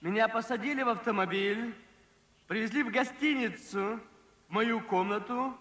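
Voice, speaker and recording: A man preaching a sermon, telling a story with emphasis, slowing down and dropping low at dramatic moments. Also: sharp tone. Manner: emphatic, slows and drops pitch for drama. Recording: long reverb from a large hall.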